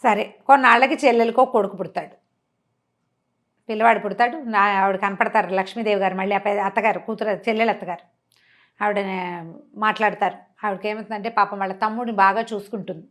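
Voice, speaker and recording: A woman storyteller retelling a story in a conversational, expressive way, mixing in some English words. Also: medium pitch, quick pace. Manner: expressive, acts out characters' dialogue.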